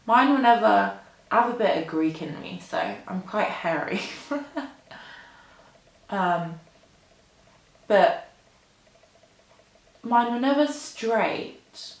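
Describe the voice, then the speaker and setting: Slow and gravelly, with lively intonation and long pauses, a young woman in her twenties rambles to camera in a get-ready-with-me chat. This beauty vlogger stands at a mirror in an echoey indoor room, so her mid-range voice rings slightly. She's self-deprecating and says "like" and "um" constantly.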